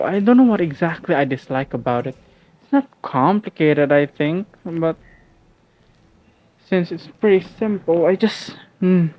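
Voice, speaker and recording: A man's voice: sits high, no echo, lo-fi sound. A young man from the Philippines whose first language is Filipino, rambling casually and hesitantly at home with many restarts and fillers. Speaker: vlogger.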